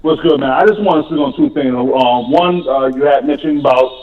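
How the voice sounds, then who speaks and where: A man's voice: medium pitch, a little fast. A male caller speaking casually, with hesitant starts. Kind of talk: call-in chat. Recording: tinny echoey phone line.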